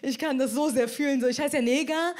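A woman from Iran hosting a stand-up comedy show, energetic and joking as she hypes the audience. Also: sits high, quick pace. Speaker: host. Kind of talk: stand-up host patter. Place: comedy club stage with live audience.

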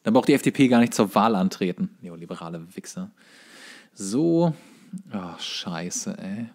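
A man's voice: deep voice, expressive, measured pace, darkish tone. A man, co-hosting a comedy podcast with wry, opinionated banter and wordplay. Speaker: podcast co-host. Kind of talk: casual comic banter.

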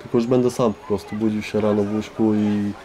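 Young man, monotone and relaxed, informal, candid testimony. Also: on the low side, brisk. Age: teenager or young adult. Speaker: resident of a youth care centre. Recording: faint background noise.

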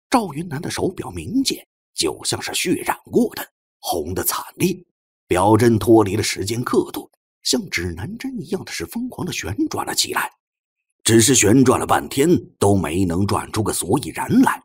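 Husky man narrating with very animated pitch. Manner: expressive, theatrical delivery. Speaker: audiobook narrator. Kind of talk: animated dramatic storytelling narration.

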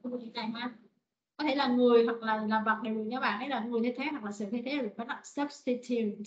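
A woman teaching an online vocabulary lesson, repeating words slowly and explaining in short phrases. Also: a little high, steady tone, highs cut off, a little hiss or hum. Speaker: English teacher.

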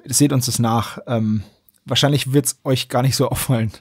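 A man's voice: medium pitch, steady tone, moderate pace, breathy edge, no echo, studio quality. A man hosting a podcast, chatting casually. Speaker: podcast host.

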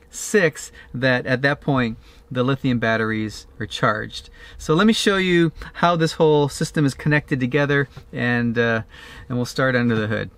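A man's voice: medium pitch, a bit bright, dry recording. A man in his fifties, an RV vlogger, casually explaining a DIY setup step by step with frequent "uh" restarts, filmed at arm's length outdoors and in a van cab.

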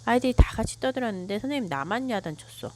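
A sulky little child complains in a plaintive, lifted voice that jumps around in pitch, as a woman puts it on while reading aloud. The tone is whiny and pleading. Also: expressive, very fast, close to an everyday voice. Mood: comforted.

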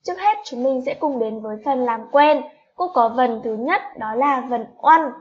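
A woman's voice: high voice, expressive, normal speed. A woman primary school teacher, leading a spelling lesson for young children, stretching out each sound and asking the class coaxing questions. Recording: slightly dull lo-fi recording.

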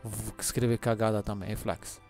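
A Brazilian man giving excited gameplay commentary, yelling, cursing and switching into English to talk with other players. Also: lowish voice, brisk, soft background music. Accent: Brazilian Portuguese. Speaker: gameplay streamer.

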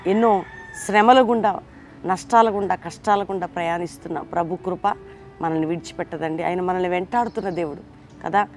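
Earnest low-voiced woman preacher. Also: a little mellow. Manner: earnest, pleading, repeats phrases in lists. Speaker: devotion leader. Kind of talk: morning devotional sermon and prayer.

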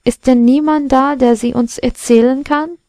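Woman doing an excitable clock, storybook, exclaiming, higher. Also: normal speed, no echo, natural voice. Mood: impatient. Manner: exclaiming, impatient. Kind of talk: storybook reading.

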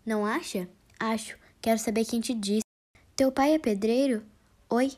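A woman reading out comic chat exchanges, voicing both sides with quick, deadpan delivery. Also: on the high side. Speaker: narrator reading chat jokes.

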